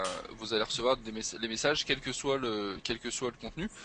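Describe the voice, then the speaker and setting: A man with a strong French accent at a very fast pace, amid noticeable background noise. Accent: thick French accent in English. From France. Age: young. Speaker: tech entrepreneur. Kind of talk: interview. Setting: remote video link (duplex Paris–San Francisco). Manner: hesitant, many fillers and repetitions.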